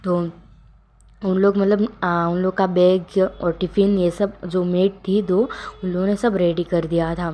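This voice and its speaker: Woman storyteller, casual and rambling, mellow voice, many self-corrections. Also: on the low side, little pitch movement, unhurried. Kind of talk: casual fan-fiction storytelling.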